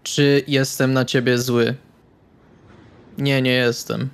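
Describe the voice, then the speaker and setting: A man playing a stone-faced, polite male vampire in tabletop roleplay, deadpan and formal. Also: mid-range voice, slow pace, smooth. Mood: flat, calm.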